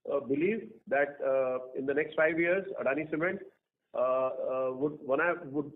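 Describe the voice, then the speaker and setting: A man with an Indian accent speaking as a company executive, answering analysts in a halting way and repeating words. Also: a little high, a little hiss or hum. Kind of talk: answering analysts on an earnings call. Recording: narrow tinny phone-line sound.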